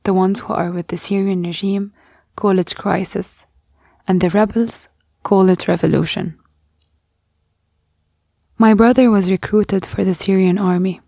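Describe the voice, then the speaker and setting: Gravelly, flat-voiced woman reading. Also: medium pitch, unhurried, no room sound. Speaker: reader of a monologue. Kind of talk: dramatic reading of a personal testimony.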